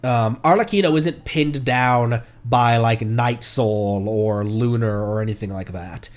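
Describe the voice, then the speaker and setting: A man with a stuffed-up nose giving casual, rambling commentary as a livestreamer, often halting and correcting himself. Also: mid-range voice. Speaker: livestreamer, VTuber. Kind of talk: casual game stream commentary.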